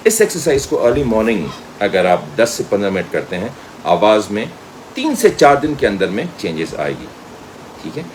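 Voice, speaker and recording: A man's voice: lowish voice, big pitch swings, normal speed, a little mellow, a little hiss or hum, low-quality recording. An Indian man giving a theatrical voice-training lesson as a trainer, switching between Hindi and English and telling stories to demonstrate. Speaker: media school voice trainer.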